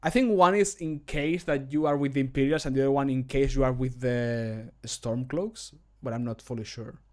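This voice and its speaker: A native Spanish speaker in his thirties, a hobby modder and streamer recording voice lines, chats casually on a livestream from a small room at home. His voice is medium-pitched and fairly even at a moderate pace, and he thinks aloud in a self-deprecating way while he works.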